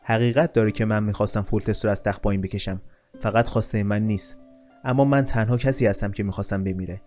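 A man's voice: fairly low pitch, fairly even intonation, a little mellow, soft background music, lightly acted. Man reading as a scornful nobleman. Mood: confessing. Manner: scornful, pleading, insulting. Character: arrogant, desperate young nobleman in chains.

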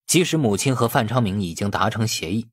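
A man's voice: on the low side, lively intonation, a little fast, dry recording, studio quality. A man reading a novel aloud as scripted, dramatic audiobook narration.

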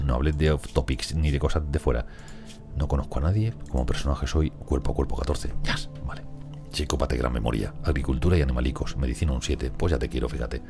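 A man's voice: very deep voice, vocal fry. A man with a Spain Spanish accent giving rambling, chatty gameplay commentary and talking to his characters. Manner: rambling, chatty, talks to colonists. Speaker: gaming streamer. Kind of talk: casual let's play commentary.

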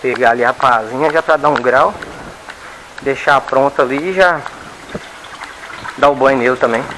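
A man's voice: mid-range voice, normal speed, noisy background. A man giving casual running commentary while he works with his dogs outdoors, coaxing and scolding them as he goes. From Brazil. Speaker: dog owner vlogger. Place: outdoor yard with dog kennels.

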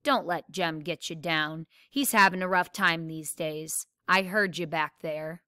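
A woman voicing a calm, soft-spoken middle-aged father in a read-aloud novel. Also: mid-range voice, unhurried, no echo, studio quality.

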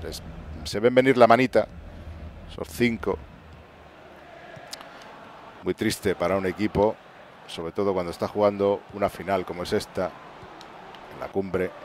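At night in a room at home, a gaming channel host gives excited let's-play commentary on his own football game, narrating like a mock sports announcer. His fairly low, steady-toned voice shifts from rapid muttering to loud bursts of cheering, with a faint hiss beneath the recording.

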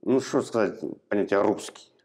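A man in his thirties from eastern Ukraine, giving hesitant, halting answers in an interview in a small office, recorded on a lapel mic. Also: fairly low pitch, darkish tone, breathy edge. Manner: hesitant, halting, plain-spoken. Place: small office room, indoors. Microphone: clip-on lapel mic.

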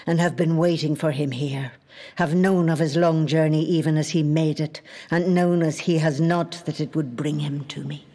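An actress with a Northern Irish accent playing an ancient, watchful lake spirit in a literary audio drama, speaking in measured, hushed poetry. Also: female voice, deep voice. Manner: measured, hushed, poetic storytelling. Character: ancient female spirit of a wild mountain lake, watchful, possessive.

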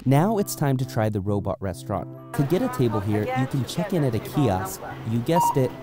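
A man narrating a scripted news voice-over in a smooth, lively way. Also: mid-range voice, a little fast. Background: soft background music.

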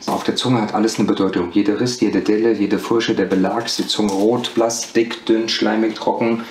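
A man in his fifties, an acupuncturist, calmly explaining a treatment in a small clinic room. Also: on the low side, moderate pace, reverberant, slight background noise. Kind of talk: explaining to a patient.

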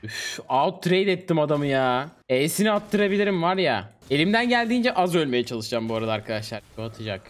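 Animated high-pitched young male gamer. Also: fast, hardly any pauses. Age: young adult. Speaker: streamer and video host. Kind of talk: casual gaming commentary and banter. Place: small indoor streaming room. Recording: music behind the voice. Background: music.

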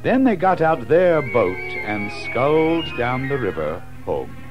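A man narrating a scripted children's story as an expressive storyteller. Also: mid-range voice, measured pace, dull audio, over music.

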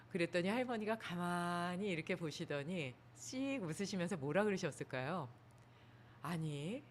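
Middle-aged woman, yoga teacher, lively storyteller; lilting voice, mimics quotes with bright pitch leaps. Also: slight background noise. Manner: animated, acts out quoted lines with big pitch jumps; laughs through her telling. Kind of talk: storytelling talk to an audience.

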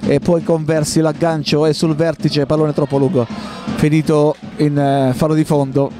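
A man giving live football play-by-play in clipped running phrases, with pauses between them. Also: a little high, little pitch movement, over music. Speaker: football match commentator.

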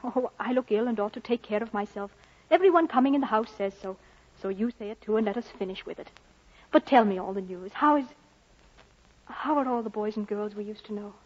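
A woman's voice: mid-range voice, lively intonation, a little fast, close to an everyday voice. An actress playing a proud, lonely young married Welsh woman, emotional and brittle, in 1940s radio acting. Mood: brittle, anxious. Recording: muffled old radio broadcast.

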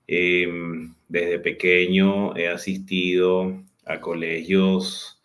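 A man in his forties with a Venezuelan accent, telling his life story as a guest on a video call, unhurried and full of hesitant fillers. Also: low voice, a bit bright. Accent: Venezuelan Spanish. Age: 40s. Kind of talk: personal storytelling in an interview. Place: home room with a large window. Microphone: video call webcam.

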